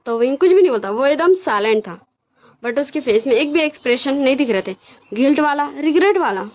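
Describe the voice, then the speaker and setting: High-voiced woman narrating a story. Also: lively intonation, brisk. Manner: conversational, retelling. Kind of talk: casual fan fiction narration. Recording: dull lo-fi recording.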